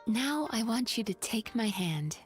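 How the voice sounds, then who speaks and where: A gentle young dream therapist from a video game guides a listener into hypnosis. Her delivery is slow, soft and breathy, meant to lull. The voice rings with long reverb over music. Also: fairly high pitch, big pitch swings. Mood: soothing, hushed. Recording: reverberant studio voice with music behind.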